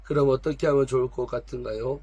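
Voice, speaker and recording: A man reading aloud the questions of a pastor's wife counseling a troubled woman, pointed and calm. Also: medium pitch, fast talker, no room sound, close to an everyday voice. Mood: probing.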